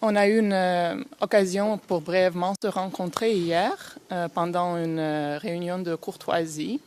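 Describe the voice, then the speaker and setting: A woman lawyer speaks formally in court, with a slightly low voice. Her French is a second language and comes out haltingly, with many hesitations. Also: fairly even intonation, a little mellow, smooth. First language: not French. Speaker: prosecution lawyer.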